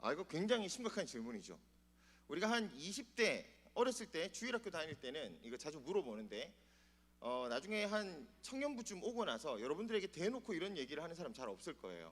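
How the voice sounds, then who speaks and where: Speaking with a strong Gyeongsang accent, a man talks at a fairly quick pace and high pitch with very wide pitch swings. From Gyeongsang region, Korea. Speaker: church lecturer. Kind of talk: lecture. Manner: fast.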